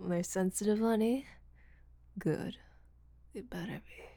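A woman playing a breathy, giggling seductress. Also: mid-range voice, takes it slowly, dark tone, no echo. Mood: teasing. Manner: breathy whispering, frequent giggles, teasing. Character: teasing, domineering seductive woman, rough-handed. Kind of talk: audio roleplay.

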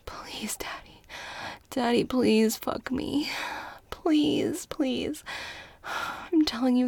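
A young woman whispering and pleading softly into a close microphone in an adult audio roleplay. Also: a little high, no echo. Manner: mostly whispered, pleading and breathy.

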